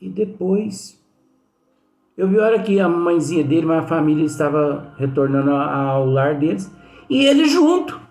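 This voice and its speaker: Speaking at a normal pace, this man has a slightly high, expressive voice that is creaky and a little mellow. He teaches a spiritist study lesson like a conversation, sharing anecdotes and often adding tag questions for his audience. Faint music plays in an echoey room.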